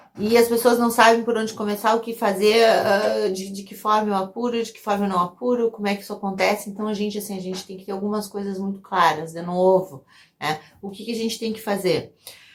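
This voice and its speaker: A woman speaks at medium pitch and a fairly quick pace, with fairly even intonation. Her loudness swings widely, and there is noticeable background noise. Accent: Rio Grande do Sul. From Brazil, Rio Grande do Sul. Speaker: accountant, crypto tax advisor. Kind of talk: tutorial video. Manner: repetitive, with many fillers.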